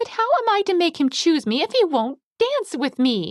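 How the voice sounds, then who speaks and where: Doing a put-on character voice, a woman speaks squeaky and whiny at an extremely high pitch with very wide pitch swings, a moderate pace, and very even loudness, the sound dry and close with no echo. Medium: read story. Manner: whiny, complaining.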